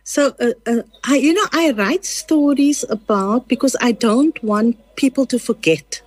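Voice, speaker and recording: South African woman with an Afrikaans accent, earnest writer guest, slightly high voice, dry close sound, lots of ums and restarts. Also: a little slow, dry recording. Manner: earnest, rambling with many fillers and restarts. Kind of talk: casual conversational interview.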